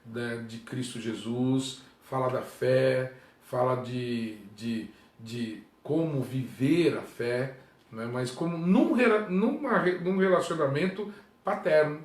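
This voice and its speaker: A Brazilian man, a pastor, talking casually on a livestream from home, with frequent tag questions and sudden jumps up in pitch for emphasis. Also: slow, roomy sound. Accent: Brazilian Portuguese. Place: room at home.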